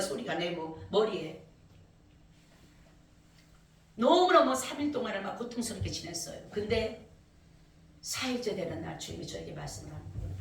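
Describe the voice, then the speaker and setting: A higher-voiced woman pastor preaches an emotional testimony, telling her story with animated, rising intensity. She is heard from afar in an echoey church with a faint noise bed. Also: recorded from a distance. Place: church service.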